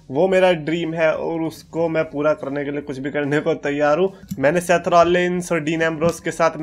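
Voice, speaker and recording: Music sits in the background as a man talks at a moderate pace. His fairly high voice is monotone and flat. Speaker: wrestling commentary YouTuber. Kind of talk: casual vlog commentary.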